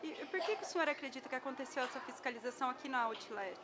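A woman's voice: sits high, rapid-fire. Echoey Brazilian woman reporter. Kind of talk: interview questions. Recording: echoey, faint background noise.

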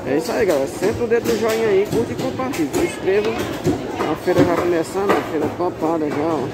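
A man's voice: high-pitched, brisk, loud music behind the voice. A man chatting upbeat through a casual walking vlog at a big covered street market, filmed on a handheld phone. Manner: upbeat, chatty, asks vendors prices. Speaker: vlogger touring a market. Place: large covered open-air street market. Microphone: handheld phone camera. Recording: loud market noise, phone mic.

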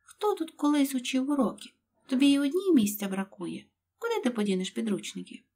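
A woman voicing young Alice, a curious girl musing aloud to herself, in a husky voice. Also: sits high, brisk, pitched above the performer's own voice, heavily acted. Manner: lively, musing.

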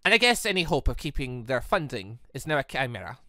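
Hurried professor in a game, read out by a man; crisp and dry. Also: mid-range voice, big pitch swings, bright, forceful tone, dry recording, pitched below the performer's own voice. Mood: serious.

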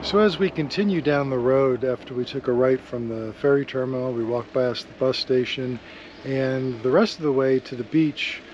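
A middle-aged man vlogging a casual walking tour, talking in a relaxed, chatty way with many ums, filmed on a camera held at arm's length in a sunny harbor area. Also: mid-range voice, normal speed, dull audio. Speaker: travel vlogger. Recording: loud outdoor street noise.

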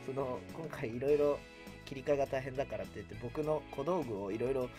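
A man's voice: mid-range voice, fast, music in the background. A man chatting casually as a guest on a radio show, recorded on a studio mic. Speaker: guest voice and stage actor. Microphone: studio boom mic.

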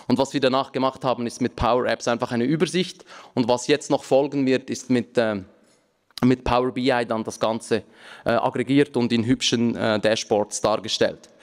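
A man in his thirties, a native Aramaic speaker, giving a relaxed conference talk from a lectern with joking asides and frequent filler sounds. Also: medium pitch, normal speed. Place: large conference hall, at a lectern. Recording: reverberant hall.

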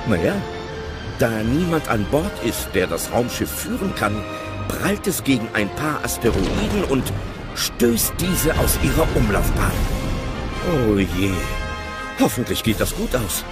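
A man's voice: medium pitch, big pitch swings, unhurried, loud music behind the voice. A man narrating an audio play in a chatty, wondering way.

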